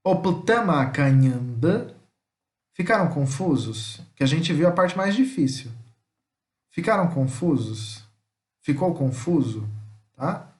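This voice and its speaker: Man, teacher, fairly high voice, patient, checks in often, roomy echo. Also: lively intonation, darkish tone. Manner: patient, repeats "tá?" after each point, sounds out words slowly. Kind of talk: online language lesson.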